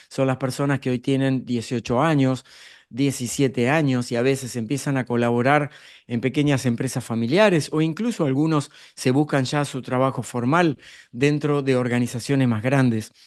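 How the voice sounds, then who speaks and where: A man's voice: mid-range voice, darkish tone. A man from Argentina with an Argentine accent, giving a live talk on emotional intelligence and leadership, explaining ideas to the audience and often asking rhetorical questions. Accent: Argentine Spanish.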